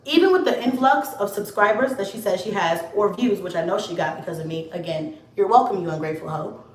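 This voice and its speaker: A woman's voice: medium pitch, expressive, fairly quick, darkish tone. A young adult woman on her own channel, ranting bluntly and with heavy profanity straight at a rival. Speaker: YouTuber. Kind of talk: confrontational vlog rant. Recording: echoey room, mic at a distance.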